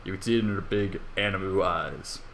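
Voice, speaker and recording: A man's voice: low-pitched, steady tone, fairly quick, vocal fry, a bit bright, slight background noise. A young man reading fan fiction casually as an amateur narrator, with rambling, self-deprecating asides and swearing. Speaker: amateur story reader. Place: bedroom at home.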